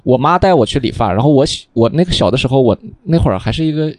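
A man's voice: mid-range voice, expressive, fast, darkish tone, no echo. A young man co-hosting a podcast, chatting casually and laughing through his own stories. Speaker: podcast co-host. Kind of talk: casual chat.

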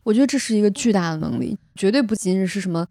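Young woman, mellow earnest storyteller. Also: medium pitch, lively intonation, very fast, no room sound. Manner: earnest, emotional retelling with vivid detail. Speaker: podcast host. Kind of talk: casual storytelling chat.

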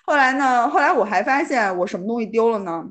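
A woman, co-hosting a podcast and telling a personal story in animated casual chat, laughing often. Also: a little high, fast. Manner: chatty, animated, laughs often, repeats "I tell you". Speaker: podcast co-host.

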